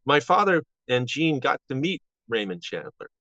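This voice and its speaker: An elderly man in his seventies looks back casually as an interview guest. He talks in a halting, rambling way, restarting sentences. The recording is slightly dull and lo-fi, with hardly any room sound. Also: medium pitch, very animated, sharp tone, dry recording. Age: 70s. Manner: halting, rambling with false starts. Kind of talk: casual reminiscing. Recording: dull, band-limited audio.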